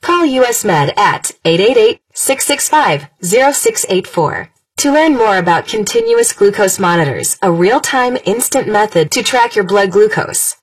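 A woman's voice: medium pitch, no echo, recorded from a distance, poor audio. A woman reading a scripted radio commercial, persuasive, who repeats the phone number. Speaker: ad announcer.

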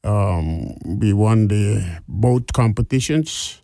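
A Guyanese-accented man in his sixties talks haltingly, full of ums and restarts. His voice sits low and sounds dark and mellow, recorded close and dry. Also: creaky, no room sound. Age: 60s. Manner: hesitant, many fillers and restarts. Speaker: guest business owner. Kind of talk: interview.

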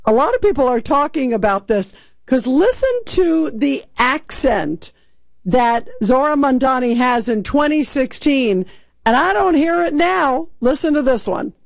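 An emphatic talk radio host reacts with open disbelief and takes calls from listeners. The voice sits high. The sound is dry and close to the mic. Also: very animated, a little slow, vocal fry, no room sound. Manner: emphatic and incredulous.

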